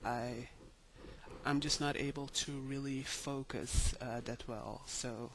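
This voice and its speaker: A young man talking slowly in a casual video diary, with many ums and pauses, tired. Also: mid-range voice, steady tone, gravelly, slight background noise, rough recording. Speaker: vlogger.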